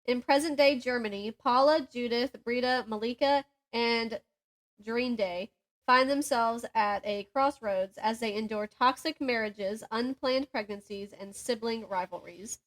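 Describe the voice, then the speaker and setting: A young woman co-hosts a podcast, chatting casually about books and reading synopses aloud. Her voice is fairly high and fairly bright, her pace unhurried, and she comes across giggly and a bit self-deprecating.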